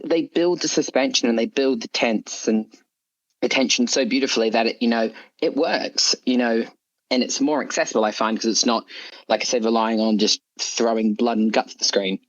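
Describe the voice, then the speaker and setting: A man's voice: mid-range voice, a bit bright, no echo. Man chatting casually, slightly muffled dry audio. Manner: rambling, hedging with frequent "you know" and "like". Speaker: interview guest, horror story author. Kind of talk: casual interview chat.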